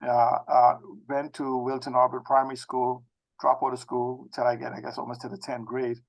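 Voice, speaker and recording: A man in his sixties from the Bahamas with a Bahamian accent, talking as an interview guest in a halting, circling way with repeated phrases. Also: medium pitch, completely flat delivery, creaky, rough recording. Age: 60s. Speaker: interview guest, technology expert. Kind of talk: conversational autobiographical interview talk.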